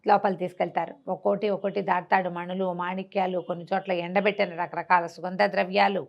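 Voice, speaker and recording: A storyteller retells a classical tale conversationally, acting out the characters' dialogue and posing rhetorical questions along the way. Her voice is on the low side, gravelly, and level in tone, her pace brisk, and the sound lo-fi.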